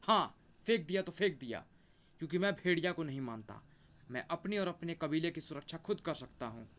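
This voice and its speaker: A man voicing a proud, defiant tribal chief who boasts loudly in a comic story. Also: on the high side, expressive, fairly quick.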